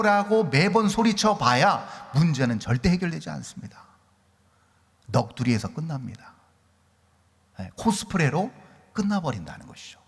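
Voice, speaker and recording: A man preaching a sermon as a pastor, posing rhetorical questions and acting out complaints. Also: fairly high pitch. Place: church sanctuary. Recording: long church hall reverb.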